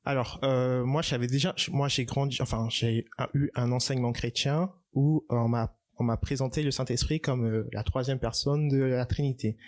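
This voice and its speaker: Man, medium pitch, podcast guest, personal testimony, halting, self-correcting. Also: fairly even intonation, darkish tone. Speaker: podcast guest, church member.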